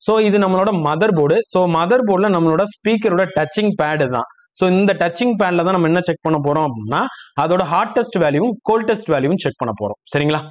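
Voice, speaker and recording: Man, higher-pitched voice, rapid delivery, technical instructor, explanatory tutorial style. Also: animated. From India. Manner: explanatory, checks understanding with short questions. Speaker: phone repair instructor. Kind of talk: spoken tutorial, step-by-step explanation.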